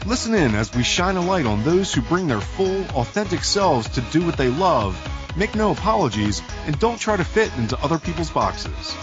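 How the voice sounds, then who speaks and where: A man's voice: a little high, big pitch swings, moderate pace, highs cut off. A man reading a polished, scripted show introduction as an announcer. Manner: polished, promotional delivery. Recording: voice-over over music.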